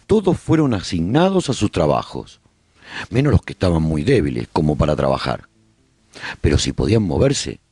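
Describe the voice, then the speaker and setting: A male survivor of the apocalypse narrating a scripted radio serial. His voice is low and husky, with expressive, animated storytelling. It is recorded close and dry. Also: dry recording, full character voice. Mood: hopeful. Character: male survivor recounting life in a post-apocalyptic colony. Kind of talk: scripted first-person radio drama narration.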